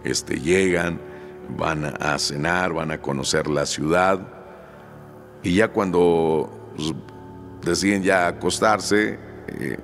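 A man's voice: low-pitched, fairly even intonation, slow, fairly bright tone, in a large hall, soft background music. A man telling a ghost story in a conversational way, full of fillers and quoted dialogue. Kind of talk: oral ghost story narration.

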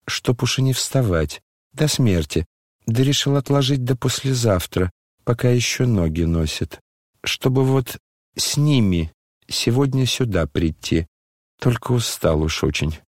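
A man plays a dying young man speaking low, hushed and hoarse, with a tired, ironic calm. The voice sits lower and softer than the reader's own, captured dry and close. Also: unhurried, no echo. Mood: weary ironic. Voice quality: hoarse, near whisper. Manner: quiet, weary, ironic. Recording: dry close studio sound.

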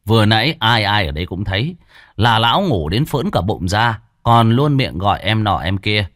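Brief: man playing a hot-tempered young ghost hunter, gruff scolding, low dry voice. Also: big pitch swings, moderate pace, fairly bright tone, dry recording.

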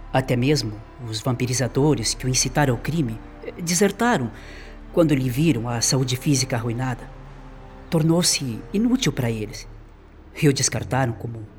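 An actor playing a grave, compassionate spirit nurse in a radio drama, recounting events deliberately. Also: male voice, medium pitch, natural voice. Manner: grave, deliberate, repeats words for emphasis. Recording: music under the voice. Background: music.

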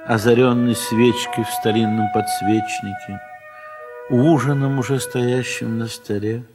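Low-voiced man narrating classic literature. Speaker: narrator of an audio play.

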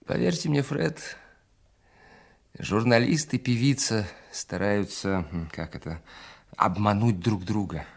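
A man acting a sly, knowing secret agent in an audio drama, courteous and insinuating, with measured phrasing. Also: fairly low pitch, vocal fry, exaggerated voice. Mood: sly, amused.

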